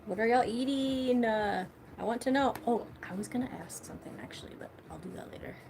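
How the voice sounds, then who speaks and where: A woman's voice: fairly high pitch, a little fast, a little mellow, a little hiss or hum. A young woman hosting a casual livestream, chatting loosely and swearing freely while she eats. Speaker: livestream host.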